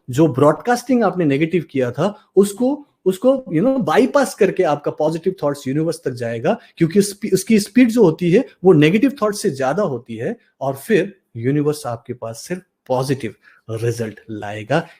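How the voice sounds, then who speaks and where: A man's voice: fairly high pitch, big pitch swings, normal speed, dark tone, husky. A man giving a live motivational coaching session, acting out example feelings and mixing in English phrases.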